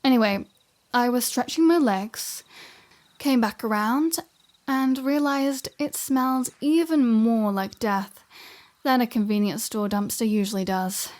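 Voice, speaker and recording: A woman's voice: fairly high pitch, measured pace, a little mellow, lightly acted. A woman playing a flirty, self-serving vampire in a scripted audio roleplay, speaking to the listener in a teasing, wry, conversational way. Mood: sardonic, chatty.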